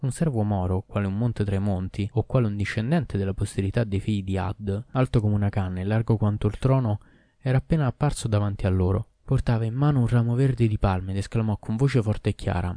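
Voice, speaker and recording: Low, dark-voiced male storyteller. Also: brisk, no echo, clean studio sound. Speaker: narrator. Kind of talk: audiobook story narration.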